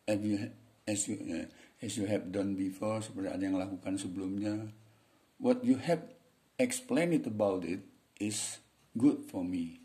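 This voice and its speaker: A man teaching English grammar in a casual, chatty way, slowing down to read example sentences aloud and calling his viewers friends. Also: low-pitched, mellow. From Indonesia.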